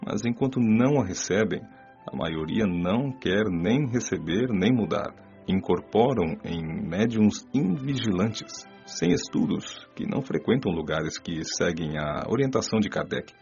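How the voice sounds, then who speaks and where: Radio novel mentor, Brazilian male actor: calm, instructive spirit guide, heavy vocal fry, measured delivery, muffled audio. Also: on the low side. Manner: didactic, measured explaining. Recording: dull lo-fi audio with music. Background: music.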